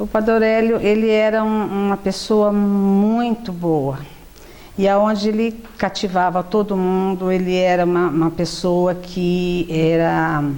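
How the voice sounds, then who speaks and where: At a very slow pace, a woman speaks with medium pitch, very even loudness and fairly even intonation. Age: 60s. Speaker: parish secretary. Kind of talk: interview. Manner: halting.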